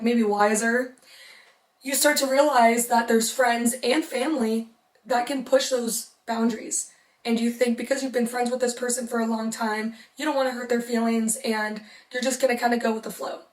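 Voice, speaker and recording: A woman's voice: a little high, roomy sound, recorded from a distance, poor audio. A young woman vlogger who is losing her voice, talking earnestly to her viewers and repeating points for emphasis. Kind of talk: casual motivational talk to camera.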